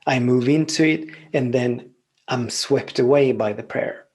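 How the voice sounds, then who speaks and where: A native Swedish-speaking man hosts a podcast, calmly delivering a reflective spiritual teaching monologue and frequently repeating phrases in long lists. His voice sits at a medium pitch, with a measured pace and a breathy edge.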